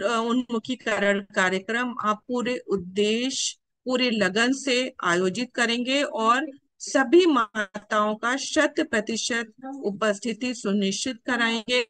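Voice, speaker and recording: A woman's voice: a little high, a bit bright, no echo. Earnest woman giving a formal training talk. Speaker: education official addressing teachers.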